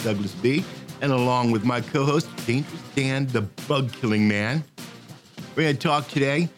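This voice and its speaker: A man hosting a community radio talk show, joking and chatting casually. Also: medium pitch. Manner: joking, chatty, stumbles over words.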